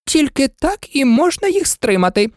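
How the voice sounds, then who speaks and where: A woman doing a flustered, squeaky old queen. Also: sing-song, moderate pace, a little mellow, no room sound, studio quality. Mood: insistent. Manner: flustered, exclaiming, squeaky at times. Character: fussy, scatterbrained elderly queen.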